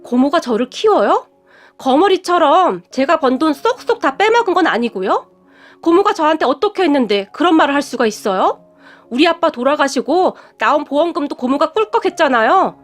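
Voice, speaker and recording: A woman's voice: high-pitched, lively intonation, brisk. A woman voicing a hurt, indignant young married woman who retorts sharply, over faint music.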